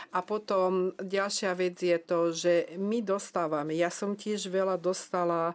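A woman's fairly low-pitched voice in a monotone, flat intonation, on a very clean recording with a silent background. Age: old. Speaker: chair of a pensioners' club. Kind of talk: radio interview. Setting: radio studio.

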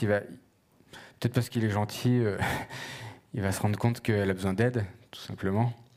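The recording is very clean, with a silent background. In it, a man talks at a fairly low pitch with fairly even intonation. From France, Jura. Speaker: novelist. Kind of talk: author interview before live audience. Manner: halting, many repetitions.

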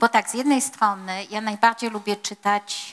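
The woman's delivery is fairly slow. Her pitch moves in an ordinary way. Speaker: author, journalist. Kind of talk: interview at book launch. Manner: halting.

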